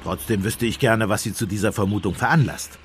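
An actor playing a gentle, doubting village priest turned sleuth in a German radio play, courteous and questioning. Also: male voice, lowish voice, a little fast, a little hiss or hum, lightly acted. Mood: protesting, earnest.

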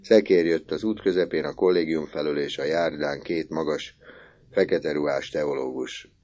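A man reading a classic novel aloud as an audiobook narrator, measured and expressive. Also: extremely low pitch.

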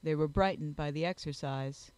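A woman voicing a proud, reserved gentleman in a storybook, speaking in a curt, stiff, measured way. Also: low voice, no echo, pitched below the performer's own voice, natural voice.

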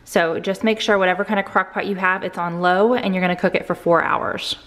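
A woman's voice: lowish voice, steady tone, brisk, fairly bright tone. A woman in her thirties hosting a cooking vlog in her home kitchen, chatty and upbeat as she talks viewers through each step. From United States. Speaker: cooking channel host. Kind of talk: casual cook-along vlog. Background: dishwasher running in the background.

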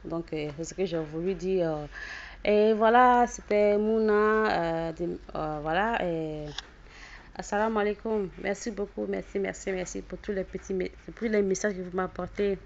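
A woman with a West African accent in French, casually addressing her channel's viewers in a halting, repetitive way with frequent false starts. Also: medium pitch, slight background noise. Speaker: YouTube channel host. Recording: dull lo-fi voice recording.

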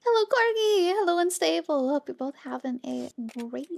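A woman's voice: extremely high pitch, expressive, normal speed, creaky, no room sound. A woman doing casual, playful live gameplay commentary, chatting with her viewers as she plays. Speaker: game streamer.

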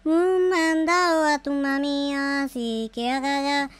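A performer voicing a scolding but indulgent mother in a game roleplay, chiding in slangy, drawn-out phrases. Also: high voice, steady tone, fairly bright tone, no room sound, soft background music.

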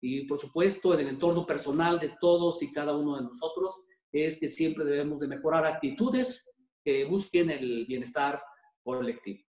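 A man's voice: on the high side, normal speed, darkish tone. Hesitant man, echoey room. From Mexico. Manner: hesitant, many fillers. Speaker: government official presenting. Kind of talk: formal presentation.

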